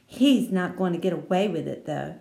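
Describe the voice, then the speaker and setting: A woman's voice: fairly low pitch, lively intonation, normal speed, vocal fry, a little mellow. A woman reading aloud and voicing a bossy, determined little girl who scolds firmly. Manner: firm, scolding. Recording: roomy echo.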